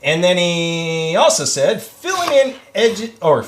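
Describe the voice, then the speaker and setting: A man's voice: high-pitched, big pitch swings, reverberant, slight background noise. A man guesting on a casual livestream, joking and reading out viewer comments. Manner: joking, slow and drawn-out, reads chat aloud. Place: workshop.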